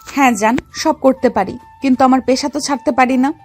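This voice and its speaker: A woman's voice: high-pitched, fairly even intonation, a little fast, a little mellow. A woman playing a bold young female gangster and secret officer in a dramatized love story, commanding yet affectionate. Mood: tender, determined. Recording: music under the voice.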